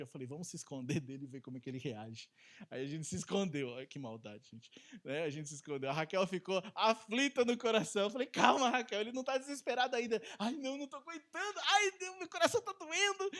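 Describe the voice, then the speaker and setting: A man with a Brazilian Portuguese accent preaching a conversational Sunday sermon. He tells personal stories, asks the congregation rhetorical questions, and swings between soft low asides and loud high bursts.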